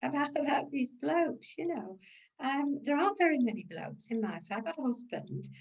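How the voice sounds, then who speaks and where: Fairly quick speech from a woman, pitched high, with very wide pitch swings. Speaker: crime novelist. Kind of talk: interview. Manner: halting.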